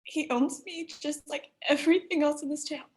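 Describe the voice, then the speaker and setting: An actress plays a young woman with a high voice, frightened and desperate yet fiercely defiant. Her delivery is earnest and emotional, in the manner of a drama table read. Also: moderate pace, a little mellow, lightly acted. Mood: distraught, pleading. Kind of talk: screenplay table read acting.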